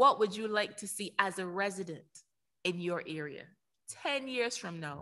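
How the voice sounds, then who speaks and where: A woman's bright, sharp tone against a quiet background. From Barbados. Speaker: workshop facilitator. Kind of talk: facilitated town hall meeting. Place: hall. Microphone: podium.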